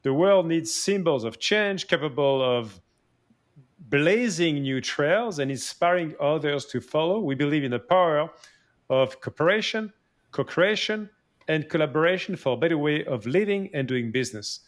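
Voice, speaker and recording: Slightly high-voiced male podcast host. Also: lively intonation, normal speed. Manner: rambling questions with many "yeah" and "yes" backchannels. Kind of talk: interviewer asking questions.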